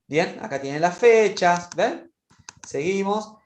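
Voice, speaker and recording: A man's voice: sits high, animated, takes it slowly. A male teacher walking students through a spreadsheet exercise in an online class, patiently checking in with them as he goes. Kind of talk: online class screen-share demonstration. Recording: roomy echo.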